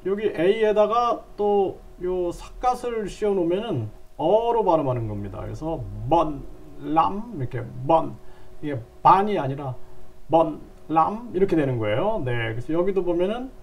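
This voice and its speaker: An older man teaching a language lesson, patiently repeating phrases and dropping his voice low on side remarks. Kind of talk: lecture with repeated drills.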